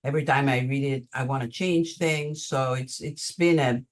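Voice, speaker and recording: An older woman from Greece with a Greek accent, answering audience questions on a video call with many pauses and ums. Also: very deep voice, fairly even intonation. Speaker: conference presenter answering questions.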